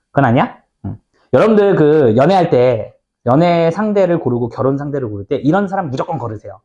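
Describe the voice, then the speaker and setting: A man teaching a high school English lesson, speaking informally and animatedly and asking his students questions as he goes. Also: darkish tone, highs cut off. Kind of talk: lecture explaining a textbook passage.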